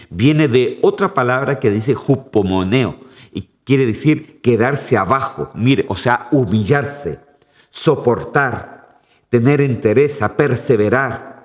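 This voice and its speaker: A male pastor preaching a sermon, emphatic and direct, often calling his listeners "brother". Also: mid-range voice. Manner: emphatic, addresses the congregation as "hermano". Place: church. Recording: long church reverb.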